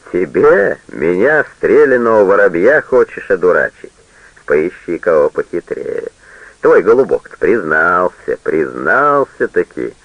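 A man's voice: rumbling low, creaky, breathy edge, dry recording, phone-quality sound, voice pushed down, exaggerated voice. A man voicing a furious burly brewer father. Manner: loud, blustering, threatening. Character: enraged stout middle-aged brewer father.

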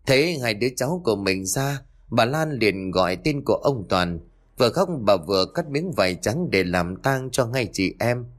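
A man narrating a ghost story in a steady, even reading voice. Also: medium pitch, normal speed.

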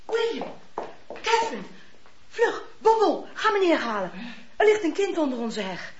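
An expressive married lady, urgent and tender, with a widely swinging voice. It is radio drama acting on a dull, slightly noisy recording. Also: extremely high pitch, unhurried, full character voice. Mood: excited, urgent. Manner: expressive, switches between commands and soothing. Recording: muffled old radio recording with noise.

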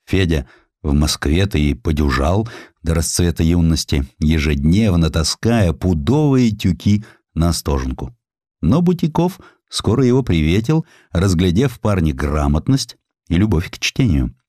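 Male narrator, low voice, highly varied intonation, theatrical folksy storytelling, dry studio sound. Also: expressive, moderate pace, dark tone, no room sound. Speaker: audiobook narrator. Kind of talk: expressive literary storytelling of historical sketches.

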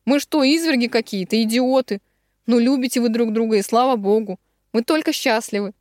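A woman's voice: fairly high pitch, brisk, a little mellow, dry recording, clean studio sound, voice pushed up, lightly acted. A woman reading an audiobook, voicing a middle-aged woman who is tearful and indignant and near sobbing.

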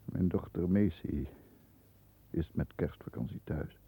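A man acting a stern, proud middle-aged lawyer in a 1960s radio play, speaking with formal, measured diction. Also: sits low, mellow, breathy edge, heavily acted. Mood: brooding, uneasy. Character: stern, proud male lawyer protecting the family name. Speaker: actor in a radio drama. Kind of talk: 1960s Dutch radio play acting, first-person narration and dialogue. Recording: muffled, thin 1960s radio recording.

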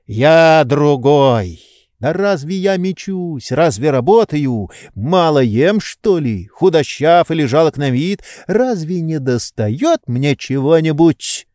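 Indignant lazy nobleman, voiced by a man, reproachful questions, raised lively pitch, slow delivery. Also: no echo, clean studio sound. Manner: exclaiming, reproachful, rhetorical questions. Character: indolent pampered male nobleman, indignant and wounded. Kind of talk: audiobook character reading.

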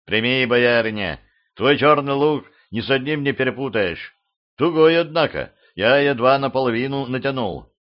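A man voicing a gruff, commanding middle-aged boyar warrior in an audiobook, mocking and bold in manner. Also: mid-range voice, expressive, normal speed, lightly acted. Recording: slightly dull lo-fi audio.

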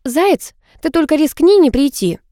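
Woman doing a sharp-tongued young student girl, irritable, high and lively voice, dry sound. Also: fairly quick, no room sound. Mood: bossy, stubborn.

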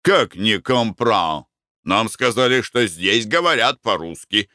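A man's voice: lowish voice, expressive, takes it slowly, sharp tone, no room sound, studio quality, exaggerated voice. A man voicing a bluff, easygoing middle-aged Russian merchant with a blunt, hearty manner.

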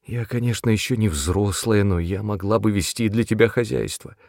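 A man's voice: steady tone, normal speed, vocal fry, a little mellow, no echo, studio quality. A man reading a storybook voicing a lonely, tearful young girl who pleads and sobs. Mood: pleading. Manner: pleading, high and shrill when upset. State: sobbing. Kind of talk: audiobook character voice.

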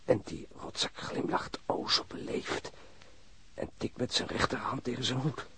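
An actor playing a wounded policeman in a radio drama, speaking halting in strained, broken phrases with a husky, breathy voice. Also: medium pitch, pushed and bright, slight background noise. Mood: tense, agitated. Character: wounded policeman recounting being stabbed, shaken but admiring.

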